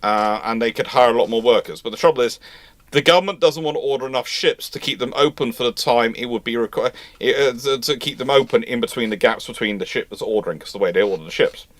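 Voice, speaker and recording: A man's voice: medium pitch, no echo. Chatty man with a dry close sound. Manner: explanatory, many fillers and restarts. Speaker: naval history host. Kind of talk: live Q&A chat.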